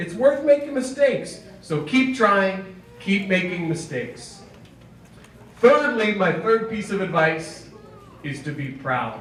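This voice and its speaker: A man talks at a fairly slow pace with very wide pitch swings. The recording has noticeable background noise and audible room echo. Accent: American. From Miami, Florida. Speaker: commencement speaker. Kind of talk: graduation speech.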